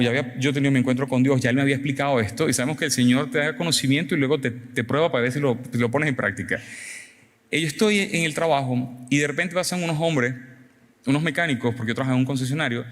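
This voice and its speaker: Man, preacher, animated and teasing, fairly high voice, long hall reverb. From Venezuela. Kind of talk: sermon with audience questions.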